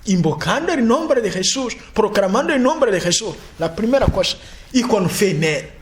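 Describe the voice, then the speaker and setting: A man from Africa delivers a sermon in a high, light voice. He talks in halting bursts, repeating and restarting words. When he builds into chanted declarations, his pitch rises even further. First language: a language of his homeland. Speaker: preacher.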